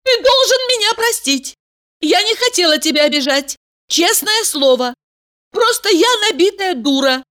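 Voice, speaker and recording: A woman narrator voicing an impulsive young blonde woman who cries out breathlessly and pleads in a high, strained voice. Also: animated, moderate pace, fairly bright tone. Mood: pleading.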